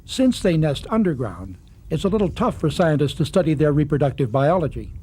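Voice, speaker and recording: A man narrates a nature documentary from a script. His voice sits a little high for a man yet is very mellow and warm. There is some noise and ambience behind him. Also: sing-song, a little fast.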